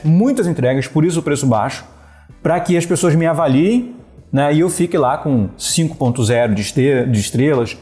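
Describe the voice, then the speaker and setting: Speaking directly to the camera, this man in his thirties from Brazil coaches viewers on e-commerce with lively hand gestures. He keeps checking in, sprinkling steady talk with "né?" and "beleza," in a fairly high-pitched voice. He's in a small indoor room with a wooden slat wall, using a wired earphone headset mic.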